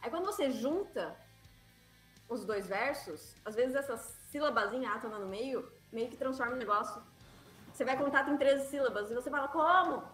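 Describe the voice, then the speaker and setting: A woman's voice: on the high side, expressive, normal speed, roomy sound, faint music behind. A woman writer talking in a casual panel chat, eagerly explaining things and laughing as she talks. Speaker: guest writer.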